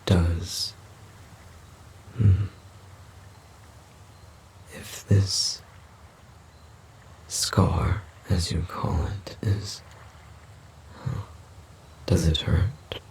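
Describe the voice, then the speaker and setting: Man acting as a gentle forest demon, very low gravelly voice, halting formal phrasing, puzzled by humans, audio roleplay. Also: steady tone, exaggerated voice. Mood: concerned, hesitant. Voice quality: low breathy, gravelly half-whisper. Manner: halting, formal, literal-minded speech.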